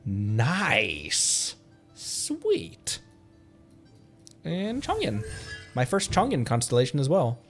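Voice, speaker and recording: A man streaming a game from home, chatting casually, excitable and rambling, laughing often as he talks. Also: medium pitch, extremely slow, pauses often, soft background music. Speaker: VTuber streamer. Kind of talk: casual gameplay chat.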